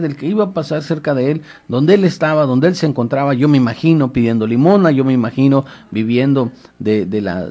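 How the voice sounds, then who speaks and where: A man with a mid-range voice and noticeable vocal fry preaches a radio sermon. He retells a scripture story dramatically, his fervor mounting until he is shouting pleas.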